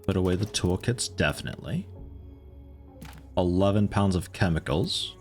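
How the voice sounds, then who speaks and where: Chatty low-voiced man streaming a game. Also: lively intonation, moderate pace, darkish tone, soft background music. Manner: rambling, chatty, swears casually. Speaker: gaming livestreamer. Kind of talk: casual gameplay commentary.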